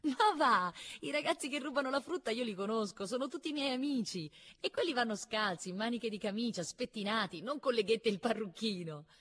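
A woman's voice: fairly high pitch, animated, fairly quick, hardly any pauses, fairly bright tone, in a large hall, pitched above the performer's own voice. A woman reading aloud and voicing a haughty, teasing little girl with a mocking, imperious manner. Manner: mocking, sing-song, imperious.

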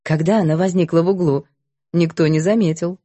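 A woman narrating a mystery novel audiobook in an even, measured storytelling manner. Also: lowish voice, no echo. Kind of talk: scripted narration.

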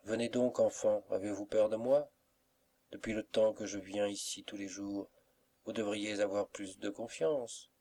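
A man reading the lines of a gentle, mysterious young suitor in an audiobook, in a soft, respectful, reassuring manner. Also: on the low side, little pitch movement, a little slow.

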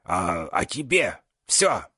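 A man's voice: sits low, big pitch swings, takes it slowly, pushed and bright, husky, no room sound, studio quality, full character voice. A man voicing a desperate aging magister who pleads with his former pupil. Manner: pleading, rising to outbursts.

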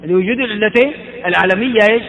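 A man's voice: high-pitched, very fast, fairly bright tone, a little hiss or hum. A man giving a grammar lesson, explaining step by step and asking his listeners questions. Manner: chants verse in a sing-song. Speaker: grammar teacher. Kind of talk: classroom lecture on grammar. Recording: dull, hall-like lo-fi recording.

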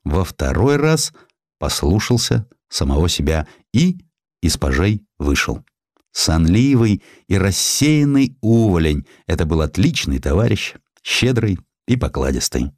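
A man reading historical prose as an audiobook narrator, in a measured, expressive, literary storytelling manner. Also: deep voice, dry recording, clean studio sound.

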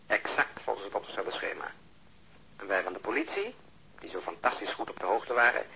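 A dull, lo-fi radio drama recording of a sardonic police officer. His voice is very husky yet forceful and bright, and he recounts things with dry, exasperated irony. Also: mid-range voice, heavily acted. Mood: bitterly ironic. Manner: dry, deliberate, ironic storytelling.

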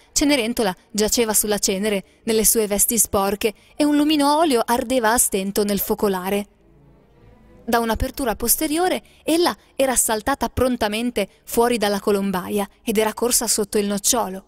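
A woman reads a fairy tale aloud with a lilting, expressive delivery. Her voice sits somewhat high, and soft music plays faintly behind her. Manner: lilting, expressive storybook reading. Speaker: storyteller. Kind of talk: scripted fairy-tale narration.

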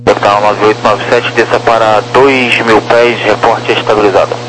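A man's voice: lowish voice, level tone, normal speed. A Brazilian man working as an air traffic controller, speaking clipped procedural phrases like police radio over a two-way radio. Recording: noisy, humming aviation radio.

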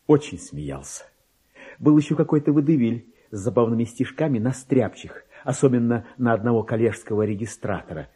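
Pompous petty clerk, wildly swooping pitch. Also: male voice, mellow, husky. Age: middle-aged. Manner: pompous, exclamatory, muttering to himself. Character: petty forty-two-year-old male clerk, vain, resentful, self-important. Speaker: actor. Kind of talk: theatrical radio play monologue, diary read aloud.

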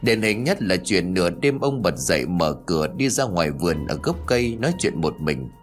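Lively low-voiced male storyteller. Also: brisk. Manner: expressive, dramatic storytelling. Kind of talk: scripted story narration. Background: faint music.

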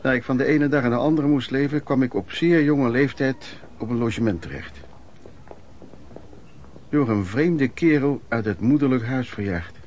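A man's voice: mid-range voice, moderate pace, a little mellow, a little hiss or hum, lightly acted. An actor playing an embittered working-class man who recounts his miserable youth in a colloquial radio play monologue. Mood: sober, sorrowful. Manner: colloquial, emotional storytelling with repetitions. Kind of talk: Dutch radio play narration, reminiscing monologue.

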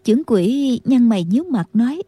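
A woman reading a martial-arts audiobook in a very dark, mellow voice with a husky edge. Her pitch sits a bit high for her, and the sound is dry and close. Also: very animated, moderate pace, no echo. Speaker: audiobook narrator. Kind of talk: scripted martial-arts novel narration.

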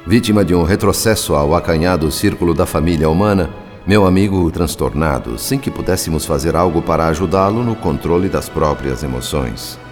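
Solemn spirit narrator, very deep voice, literary phrasing, radio drama, clear music. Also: male voice, animated, a little fast, hardly any pauses. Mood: grave concern. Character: solemn male spirit narrator, troubled witness to friend's distress.

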